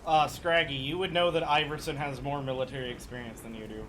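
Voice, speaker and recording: A man's voice: mid-range voice, fairly even intonation, fast, a bit bright, poor audio. A man running a tabletop game as game master, narrating and joking with the players. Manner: jokey, teasing the players.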